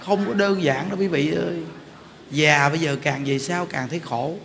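A Buddhist monk, telling stories in a casual, animated sermon that speaks straight to his listeners. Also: a little high, normal speed, gravelly, some chatter behind. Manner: animated, laughing, addresses listeners directly. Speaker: Buddhist monk giving a dharma talk. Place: temple hall. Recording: reverberant hall, faint background noise.

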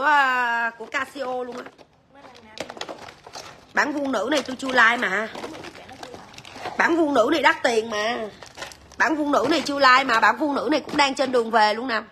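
A woman's voice: high-pitched, moderate pace, pushed and bright, slight background noise. A woman, chatting straight to viewers as she sells jewelry on a livestream. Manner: chatty, addresses viewers directly. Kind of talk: live-selling chat.

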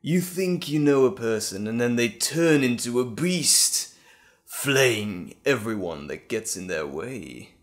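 A man playing a gloating, sinister evil alter ego in an audio drama, with a mocking, theatrical, drawn-out delivery. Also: mid-range voice, lively intonation. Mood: amused, impressed.

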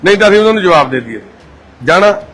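A man's voice: sits high, animated, quick pace, a bit bright, slightly rough, low-quality recording. A man working as a volunteer, coaxing and placating a distressed woman with repeated soothing phrases. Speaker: volunteer social worker. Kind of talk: coaxing, calming talk.

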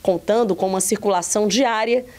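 A young woman TV reporter, presenting a news feature in a bright, upbeat way. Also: medium pitch, fairly quick.

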